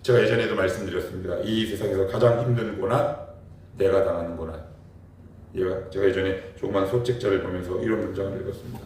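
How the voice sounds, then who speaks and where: A man's voice: deep voice, fairly even intonation, quick pace, darkish tone. A man, a pastor, preaching a morning prayer sermon, emphatic and full of rhetorical questions to his congregation. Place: church sanctuary. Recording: very echoey hall, mic far off, faint noise.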